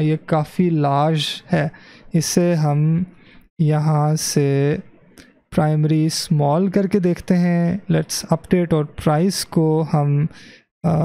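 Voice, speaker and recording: A man with a gravelly, somewhat raised voice talks slowly through a screen-recorded web design lesson. He thinks aloud, corrects himself often and slips English phrases into his explanation. The sound is close and dry, with no room around it. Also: on the high side, fairly even intonation, dark tone, no room sound. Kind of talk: screen-recorded software tutorial.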